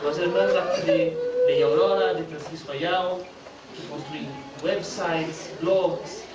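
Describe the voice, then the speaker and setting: At a school hall anniversary event, a Portuguese-speaking Brazilian guest answers a radio interview earnestly in Spanish, his Brazilian accent clear, with a few hesitant restarts. He sounds high-pitched and very animated but speaks slowly. The muffled recording is captured from a distance in an echoey room amid loud noise.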